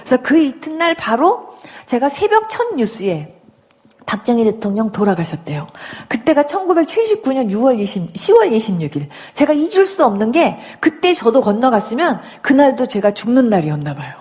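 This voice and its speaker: A woman's voice: fairly high pitch, big pitch swings, normal speed, a little mellow. A middle-aged woman giving a personal Christian conversion testimony, telling her story vividly and with sound words.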